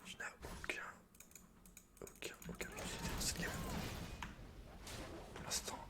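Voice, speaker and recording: A man's voice: a little slow, pushed and bright. A man doing casual, slangy ASMR gaming commentary as the host, swearing now and then.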